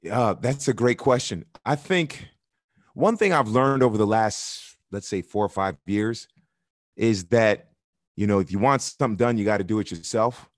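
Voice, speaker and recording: A man's voice: fairly low pitch, moderate pace, no room sound, studio quality. A man from Miami, a soccer broadcaster speaking as a podcast guest, candid and earnest, building his points through repetition. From Miami, United States. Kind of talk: podcast interview.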